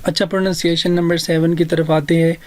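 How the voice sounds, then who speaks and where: A man with a South Asian accent giving a language lesson as a teacher, deliberately explaining and repeating phrases for learners. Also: on the high side, little pitch movement, no echo. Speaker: English teacher.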